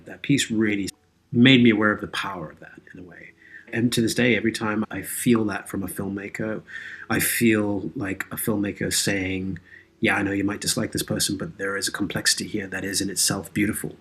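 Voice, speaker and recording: A man's voice: fairly low pitch, fairly even intonation, brisk, a bit bright. A man speaking earnestly and reflectively as a guest in an interview, explaining his ideas in a thoughtful, philosophical way. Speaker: interview guest, audio drama creator and actor.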